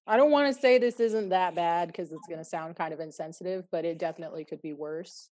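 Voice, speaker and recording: Host, female, 30s, lower voice, relaxed chatty delivery with casual swearing. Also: fairly quick, a crowd in the background. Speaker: podcast host. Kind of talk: casual interview chat.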